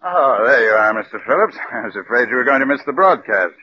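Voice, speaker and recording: A man's voice: medium pitch, fast talker, slight background noise, natural voice. A man playing a fawning, eager sponsor. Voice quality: effusive, flattering. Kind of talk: 1940s radio acting. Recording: dull old radio broadcast recording.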